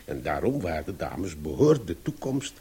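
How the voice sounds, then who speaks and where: An actor playing an opinionated, philosophizing elderly uncle who lectures pompously in a Dutch radio play. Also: male voice, sits low, sing-song, normal speed, warm tone, husky, exaggerated voice. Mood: knowing. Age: older. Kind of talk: Dutch radio drama acting.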